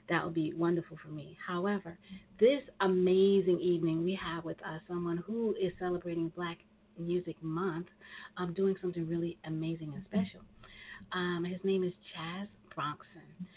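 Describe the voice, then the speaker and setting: A woman hosting a talk radio show, chatty and rambling with many pauses, sounding nasal and congested from a cold. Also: lowish voice. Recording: tinny phone line with faint hiss.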